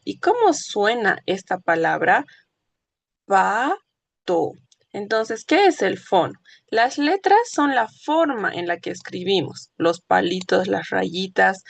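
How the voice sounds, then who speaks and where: A woman's voice: mid-range voice, no room sound. A woman teacher giving a classroom lecture, explaining patiently and checking often that her students follow. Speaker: language teacher.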